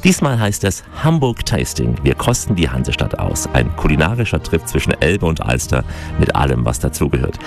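A man's voice: rumbling low, big pitch swings, normal speed, creaky. A man hosting a radio show from a studio, presenting a scripted segment in an upbeat way. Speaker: radio host. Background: music.

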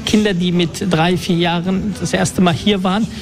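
A man's voice: high voice, flat delivery, normal speed. A man from Germany, a resort manager, explaining things fluently with occasional hesitations in an interview. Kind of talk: interview answers. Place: holiday resort in Turkey.

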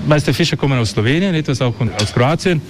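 Slovenian-accented male tour guide, halting phrasing. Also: on the high side, background noise. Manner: simple, halting non-native phrasing. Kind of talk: spontaneous guided tour talk. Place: outdoor city market.

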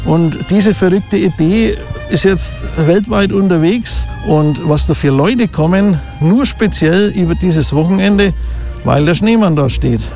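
A man who organizes a local event speaks in a radio interview. He sounds enthusiastic and proud, with a fairly high voice. Soft music drifts in the background. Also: a little slow.

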